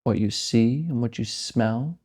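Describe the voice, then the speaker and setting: A man leading a guided meditation as host, speaking gently in unhurried phrases with deliberate pauses. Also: mid-range voice, breathy edge.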